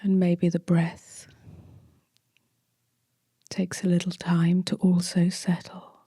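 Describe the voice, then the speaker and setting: A woman leading a guided meditation as a teacher, speaking gently in a soft, hushed, breathy voice with long pauses between short phrases. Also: on the low side, monotone, no room sound, studio quality.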